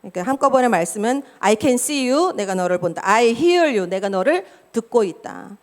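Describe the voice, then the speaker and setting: Woman pastor, middle-aged, preaching with a high, very animated voice and frequent laughter. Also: moderate pace. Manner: lively, laughs often, acts out quoted dialogue. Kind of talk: sermon.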